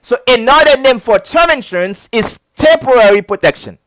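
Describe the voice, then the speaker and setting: A man's voice: very high-pitched, moderate pace, no echo. A man with a heavy accent teaching an insurance licensing lesson, repeating key points and chuckling often. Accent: non-native English. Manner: repetitive, chuckling, animated teaching. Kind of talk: casual video lesson.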